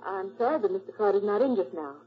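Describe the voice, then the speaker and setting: A woman playing a detective's bright, efficient secretary, polite in 1940s radio style. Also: medium pitch, animated, fast talker, close to an everyday voice. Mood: cheerful, businesslike. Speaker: actor in radio drama. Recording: muffled noisy 1940s radio recording.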